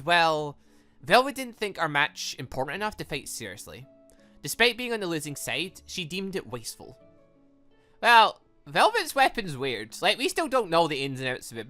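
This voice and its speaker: Gamer doing a lets play, bright voice that goes up and down a lot, rambly n excitable, bit of music behind. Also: medium pitch. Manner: chatty, rambling, thinks aloud, excitable. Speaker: gaming video host. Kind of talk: casual let's play commentary.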